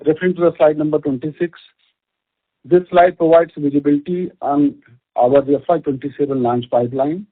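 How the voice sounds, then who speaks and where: A man with an Indian accent reads a scripted corporate earnings presentation as a company executive, formal and measured, over a conference call line. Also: on the high side, steady tone, husky. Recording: muffled band-limited conference call audio.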